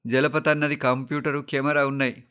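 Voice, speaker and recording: A man's voice: medium pitch, flat delivery, brisk, fairly bright tone, smooth, voice pushed up, natural voice. A man voicing an anguished grown son far from home, with a Telangana accent, speaking in a distraught, imploring way. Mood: sad.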